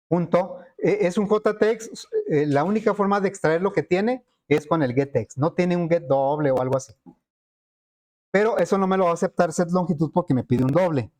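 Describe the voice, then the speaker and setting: A man teaching a programming lesson over a screen recording, thinking aloud with many fillers and quick checks with his students. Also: sits high, a little mellow.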